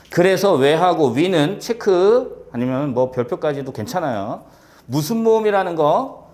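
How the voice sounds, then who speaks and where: In a dark-toned, mid-range voice, a male lecturer preps students for the civil service exam in Korean. He keeps asking rhetorical questions only to answer them, and repeats the important points to stress them.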